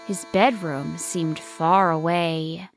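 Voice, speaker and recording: A woman's voice: on the low side, steady tone, slow, faint music behind. A woman narrating a scripted bedtime story for children as the storyteller.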